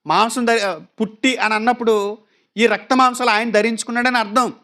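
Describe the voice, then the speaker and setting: A man with a high voice preaches a sermon. He keeps asking the congregation direct questions and acts out the quoted voices in his anecdotes. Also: fairly even intonation, brisk, bright, forceful tone.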